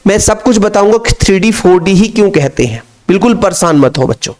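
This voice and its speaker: A man with a high-pitched voice giving a chemistry lecture. He talks in a repetitive, coaxing way and keeps turning back to address his students. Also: animated, a little fast, darkish tone. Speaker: chemistry teacher. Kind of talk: classroom lecture.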